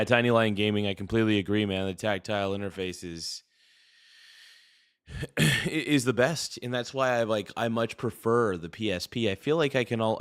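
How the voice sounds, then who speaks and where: A man's voice: deep voice, clear, resonant tone. A man hosting a live stream, chatting casually with viewers while he plays a game, in a laid-back way. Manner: laid-back, peppers talk with "dude" and "brother". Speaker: livestream host. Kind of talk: casual livestream chat while gaming.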